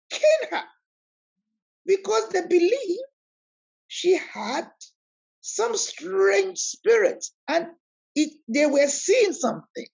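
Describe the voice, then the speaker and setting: A woman's voice: extremely high pitch, gravelly, muffled recording. A woman hosting an online spiritual talk, emphatic and preacherly, repeating key words over a video call. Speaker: host of an online spiritual discussion. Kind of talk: animated talk, switching between English and Yoruba.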